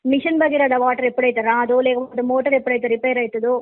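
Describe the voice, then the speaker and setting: A woman's voice: high voice, steady tone, racing. A middle-aged woman with a Telangana Telugu accent, a school principal protesting and repeating denials over a phone line. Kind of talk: defensive phone conversation. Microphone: telephone. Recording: tinny narrowband phone call.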